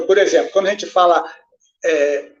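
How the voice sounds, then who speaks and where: A man's voice sits at a high pitch with lively intonation. Room echo is audible. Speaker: lecturer on candomblé Kongo-Angola deities. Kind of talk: lecture. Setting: livestreamed talk at a festival. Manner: halting, many fillers.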